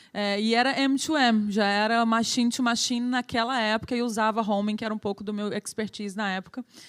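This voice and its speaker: Her voice is fairly high in pitch, and this woman speaks at a moderate pace with monotone, flat intonation. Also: very clean recording, silent background. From Brazil, Goiânia. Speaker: keynote speaker, presenter and entrepreneur. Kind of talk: conference keynote talk. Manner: casual with many fillers.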